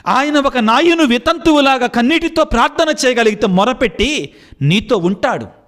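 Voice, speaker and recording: A man's voice: animated, moderate pace, fairly bright tone. A man, a Catholic priest, giving an impassioned sermon and then leading a spoken prayer. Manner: impassioned preaching, rising high on appeals.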